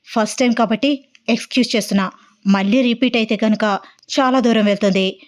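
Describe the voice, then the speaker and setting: A woman's voice: a little high, a little fast, natural voice. A woman voicing a stern male business client who speaks in a serious, accusing way.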